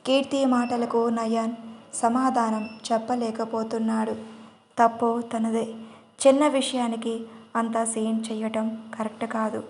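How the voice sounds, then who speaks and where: Narrator for audio drama: woman, steady scripted reading, a little high, little pitch movement. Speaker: storyteller.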